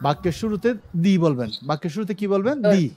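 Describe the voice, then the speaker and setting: A man's voice: high voice, animated, fast, mellow. A man teaching an English grammar class over a video call, explaining patiently with everyday examples and repeating the key words.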